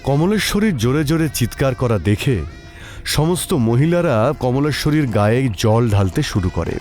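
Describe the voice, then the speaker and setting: একজন পুরুষ কথক লিখিত ভূতের গল্প পাঠ করছেন।. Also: male voice, medium pitch, sing-song, normal speed, darkish tone, soft background music. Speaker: narrator. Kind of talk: scripted horror story narration.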